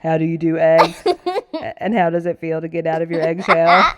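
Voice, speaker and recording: A woman voicing a sneering, strange boy who fires back loud, quick nonsense answers in a storybook reading. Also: sits low, lively intonation, voice pushed down. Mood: boastful. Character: sneering strange boy with burning bean head.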